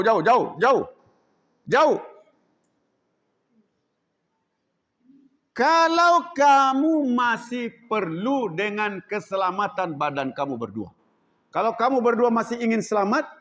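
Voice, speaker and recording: A man acting out an angry tribal chief who shouts at strangers and orders them away with repeated threats. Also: extremely high pitch, big-room sound, full character voice.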